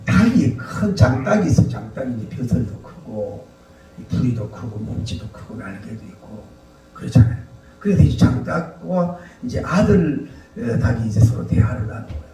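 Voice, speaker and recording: A male pastor preaches with an animated, swooping delivery and a gravelly edge to his voice. He is recorded from a distance in a roomy church hall, with faint noise underneath. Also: mid-range voice, normal speed. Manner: animated, shouts mock slogans, storytelling. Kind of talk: sermon.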